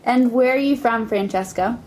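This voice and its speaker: A woman's voice: fairly high pitch, moderate pace, a little mellow, a little hiss or hum, rough recording. A woman interviewing a guest, asking curious, prompting questions in a casual way.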